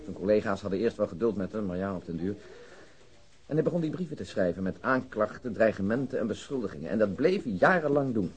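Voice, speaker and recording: A man's voice: lowish voice, lively intonation, fast talker, natural voice. An actor playing a dry, matter-of-fact policeman in a radio drama, explaining things in a wry, expository way. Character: dry, matter-of-fact male police colleague giving case background. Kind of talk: Dutch radio drama dialogue.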